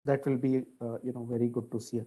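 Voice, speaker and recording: A man's voice: mid-range voice, flat delivery, quick pace, warm tone. A man asking detailed questions as an analyst on an earnings call, polite and hesitant.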